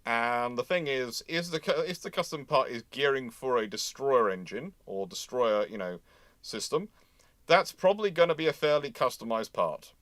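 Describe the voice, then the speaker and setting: A man's voice: medium pitch, lively intonation, normal speed, a bit bright, no echo. A man hosting a casual live history discussion, giving opinionated, rambling explanations. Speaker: host of a live question and answer show.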